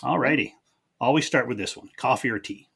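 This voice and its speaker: A man's voice: medium pitch, brisk, vocal fry, a bit bright, slightly rough. A man hosting a podcast interview in a casual, informal way, often dropping in short affirmations.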